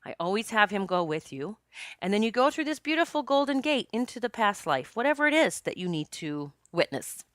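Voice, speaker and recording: A woman in her late forties talks through a solo podcast episode. She is chatty and expressive, and her voice is bright and forceful. The sound is dry and close, with no room echo. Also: mid-range voice, fairly quick. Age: 40s. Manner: chatty and expressive, jokes with listeners. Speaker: podcast host and psychic medium.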